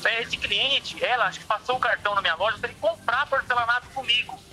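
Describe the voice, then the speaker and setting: A store owner heard over a phone line, talking defensively and insistently in a rambling way. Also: male voice, very high voice, fast talker, bright, forceful tone. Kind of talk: casual phone conversation.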